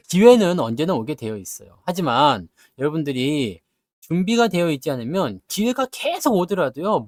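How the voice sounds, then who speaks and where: A man talks stock markets to his viewers in a blunt, scolding way, firing off rhetorical questions and mimicking their grumbles. His voice sits high and swings widely in pitch. The sound is dry and close. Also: no room sound. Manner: acts out investors' grumbling in quick asides. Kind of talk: lively market talk to viewers.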